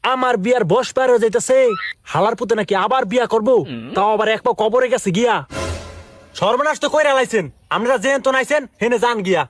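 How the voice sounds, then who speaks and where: A man's voice: very high-pitched, fast, a bit bright, faint music behind. A man playing a blunt, mocking young village man in a comedy skit. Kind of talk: comic skit dialogue.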